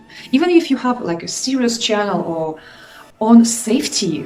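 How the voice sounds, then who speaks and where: Noticeable background noise accompanies a woman with a non-native accent. She talks at a fairly quick pace in a fairly high pitch, with very wide pitch swings. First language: not English. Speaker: YouTube business coach. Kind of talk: vlog tutorial. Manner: halting.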